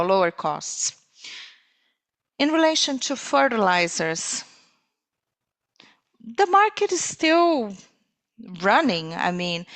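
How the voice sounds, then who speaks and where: A woman interpreting live on a corporate call, speaking in halting phrases with pauses mid-sentence. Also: mid-range voice, fairly bright tone.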